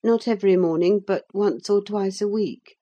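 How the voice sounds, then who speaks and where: A woman's voice: mid-range voice, normal speed, mellow, voice pushed up, lightly acted. A woman voicing a frail, languid teenage boy in an audiobook, speaking in a weak, reluctant way. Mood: feeble. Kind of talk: audiobook character voice.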